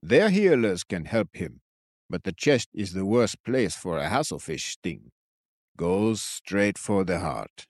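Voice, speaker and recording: Guy doing a creaky old forest watcher, slow and drawn out, swoops up and down, dry sound. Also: low voice, big pitch swings, a little mellow, no room sound, full character voice. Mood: mysterious. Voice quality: croaking, slow, theatrical. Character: cracked-voiced eccentric old male forest sentry.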